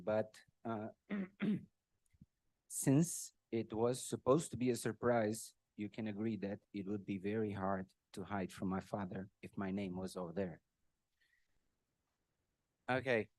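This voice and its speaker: Speaking unhurriedly and pausing often, an emotional middle-aged Brazilian man whose first language is Portuguese gives a joke-filled personal tribute at a birthday. His voice sits on the low side, darkish, with fairly even intonation and no echo; he frequently clears his throat and leans on self-deprecating humor.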